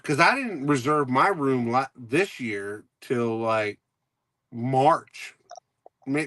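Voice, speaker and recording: A man's voice: mid-range voice, fairly bright tone, no room sound. A man co-hosting a casual talk show, rambling and laughing as he tells stories and repeats himself. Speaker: co-host. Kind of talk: casual chat.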